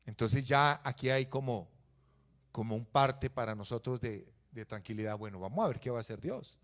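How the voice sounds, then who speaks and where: Male pastor, mid-pitched, preaching with dramatic shifts between forceful emphasis and soft asides. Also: normal speed. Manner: swings from loud emphatic peaks to low quiet asides. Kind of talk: sermon.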